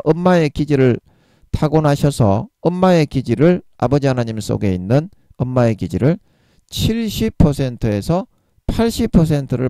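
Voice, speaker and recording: Male preacher, emphatic and repetitive, warm and animated. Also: medium pitch, no echo. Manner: repeats key words for emphasis, chuckles between points. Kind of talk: sermon.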